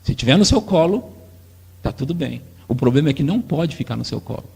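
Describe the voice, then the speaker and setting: A man in his forties with a Brazilian accent, preaching a sermon as pastor and acting out parents and children in a husky voice. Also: fairly high pitch, fairly quick. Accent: Brazilian Portuguese. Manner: animated, acts out parents and crying children. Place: church hall. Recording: long church hall reverb.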